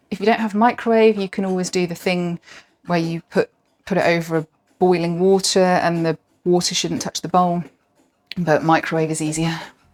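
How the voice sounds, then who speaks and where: Fairly quick and with fairly even intonation, the speaker uses a British accent in a very clean recording with a silent background and a dry, close sound with no echo. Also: woman. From Britain. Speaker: cooking vlogger. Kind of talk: casual chat. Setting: home kitchen.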